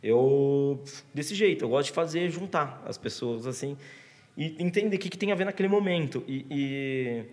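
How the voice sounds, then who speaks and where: A man's voice: mid-range voice, a little mellow, big-room sound. A man with a Brazilian accent, telling a long story in loose, slangy chat with many restarts. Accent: Brazilian Portuguese. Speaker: guest author. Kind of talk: casual chat.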